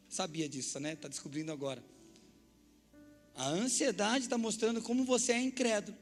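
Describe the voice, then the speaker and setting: A male pastor with a Brazilian accent preaching a sermon, animated and acting out little dialogues with the congregation. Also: extremely high pitch. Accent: Brazilian Portuguese. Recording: echoey church hall with faint music.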